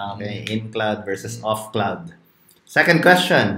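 In a room with audible echo, a man talks at a moderate pace with lively intonation. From Philippines. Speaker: quiz show host, cloud tech community; quiz show host. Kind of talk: quiz chat. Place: home room. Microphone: webcam.

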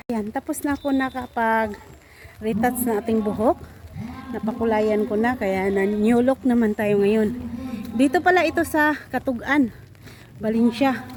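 A woman at a fairly slow pace, fairly high in pitch, with ordinary pitch variation. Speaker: vlogger. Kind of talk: casual vlog narration. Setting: outdoors. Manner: stumbling over words.

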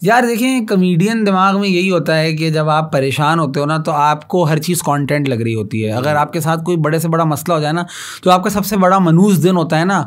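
A man with a fairly high pitch talks at a moderate pace with ordinary pitch variation. He barely pauses, and the background is quiet. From Pakistan. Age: 30s. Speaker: stand-up comedian and rapper; podcast guest, comedian. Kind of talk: casual interview chat. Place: studio. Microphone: studio mic.

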